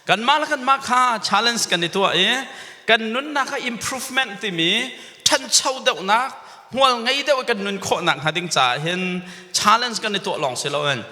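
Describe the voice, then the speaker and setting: A man's voice: high voice, bright, forceful tone, big-room sound. A male pastor preaching a sermon, mixing English words into his speech. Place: church sanctuary.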